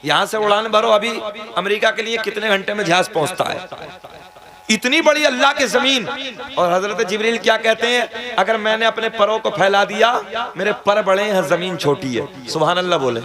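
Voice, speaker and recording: A man's voice: high-pitched, a little fast. A man hosting a religious gathering, preaching fervently and calling the audience to respond. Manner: exhorting, calls the audience to respond. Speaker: stage host of a religious gathering. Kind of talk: fervent Islamic sermon, addressing the crowd. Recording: live event with crowd noise.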